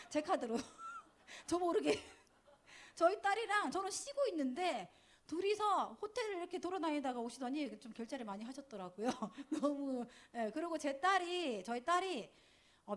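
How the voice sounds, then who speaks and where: A woman in her forties telling lively family stories in a business seminar, acting out what her relatives said. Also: high-pitched. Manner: lively storytelling, acts out quoted family voices. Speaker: network marketing speaker. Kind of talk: business seminar talk with slides. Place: seminar hall.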